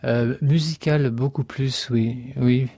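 A man, a guest poet in a radio interview, speaking in a halting, thoughtful way and often repeating words. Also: mid-range voice, fairly even intonation, dark tone.

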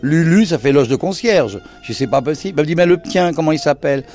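Creaky-voiced older man telling anecdotes. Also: on the high side, quick pace, faint music behind. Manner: animated, acts out quoted dialogue, many hesitations. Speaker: bar owner. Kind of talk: casual anecdotal storytelling. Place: his own bar lounge, indoors.

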